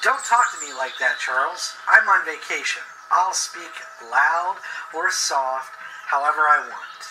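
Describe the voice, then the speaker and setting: A man's voice: on the high side, expressive, unhurried, over music, voice pushed up, poor audio. A man voicing an impatient, foul-mouthed, demanding young woman with a brash, complaining manner in an audio horror story. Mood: angry, demanding.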